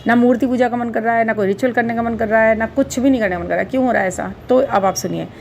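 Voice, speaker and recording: A woman's voice: a little high, very fast, vocal fry, a little mellow, highs cut off, slight background noise. A middle-aged woman hosting a spiritual guidance channel, talking casually and reassuringly to her viewers, repeating words for emphasis and mixing English terms into her Hindi.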